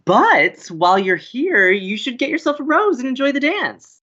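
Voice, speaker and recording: A woman's voice: sits high, big pitch swings, normal speed, fairly bright tone, slightly rough, lo-fi sound, heavily acted. A young woman acting as a breezy, romantic and theatrical college radio co-host in an audio comedy. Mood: breezy, amused. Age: young adult. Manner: playful, dramatic.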